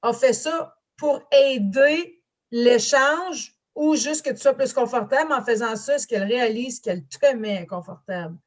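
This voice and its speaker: A woman with a Franco-Ontarian French accent, a guest in a casual panel discussion, talking lively and colloquially with English words slipped in. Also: on the high side, measured pace.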